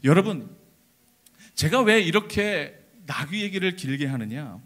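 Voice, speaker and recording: A young adult man, a junior pastor, preaching an animated storytelling sermon. He acts out the characters and asks the congregation questions. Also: a little high, unhurried. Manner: speaks directly to the congregation with questions. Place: church service.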